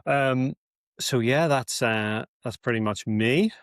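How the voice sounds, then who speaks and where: A man's voice: mid-range voice, slow, clean tone, no echo, clean studio sound. Hesitant man in his thirties. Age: 30s. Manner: hesitant, many ums and restarts. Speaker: coaching client. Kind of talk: casual chat on a call.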